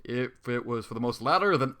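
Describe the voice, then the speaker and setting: A man's voice: medium pitch, expressive, fairly quick, fairly bright tone. A man reading a story aloud and breaking off into exasperated, sarcastic, swearing commentary. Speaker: fan fiction reader.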